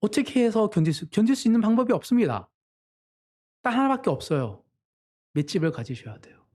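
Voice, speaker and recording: A man's voice: big pitch swings, a little fast, darkish tone. A man preaching a Sunday sermon as pastor, in an earnest manner. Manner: earnest preaching, voices quoted family members with sudden pitch jumps.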